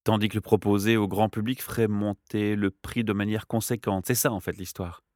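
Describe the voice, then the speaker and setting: A low-voiced man hosting a podcast. He asks long, enthusiastic questions and chimes in with agreement. The recording is dry and close. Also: level tone, a little fast, darkish tone, dry recording. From Belgium. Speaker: podcast host. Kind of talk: podcast interview.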